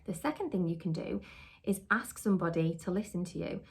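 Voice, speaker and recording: A woman's voice: lowish voice, lively intonation, a little fast, vocal fry. A British woman giving conversational, instructional advice as a trainer and podcast host, explaining and rephrasing her points as she goes.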